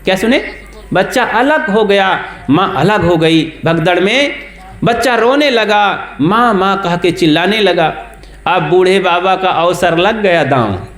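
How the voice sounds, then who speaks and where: A man's voice: sits high, expressive, unhurried, fairly bright tone, roomy sound. A man preaching a folksy storytelling sermon at a satsang, often putting questions to his listeners.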